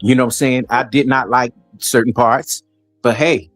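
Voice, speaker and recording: A man's voice: medium pitch, fairly even intonation, normal speed, no room sound. Easygoing guy just chatting, dry sound no room, bit of music in back. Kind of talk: casual group chat on a stream.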